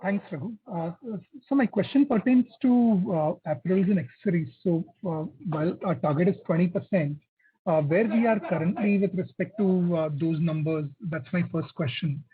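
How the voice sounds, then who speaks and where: Male analyst, fairly high voice, question-asking, thin telephone sound. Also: moderate pace, slight background noise. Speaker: financial analyst. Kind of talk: asking questions on an earnings call. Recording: phone-like conference call line.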